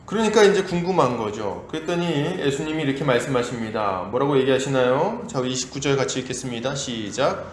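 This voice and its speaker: A male pastor preaching a sermon in a lively, conversational way, acting out quotes as he goes. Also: medium pitch, brisk, hardly any pauses, roomy sound, slight background noise. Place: church sanctuary.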